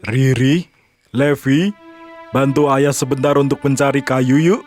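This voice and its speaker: A man voicing a poor, kind-hearted woodcutter father in a cartoon, gentle and worried. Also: mid-range voice, steady tone, unhurried, faint music behind, natural voice. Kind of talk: cartoon voice acting.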